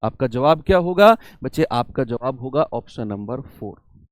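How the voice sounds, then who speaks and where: A man teaching an exam-prep math lesson, coaxing his students with questions and swinging between loud and soft. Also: medium pitch, expressive, moderate pace, no room sound.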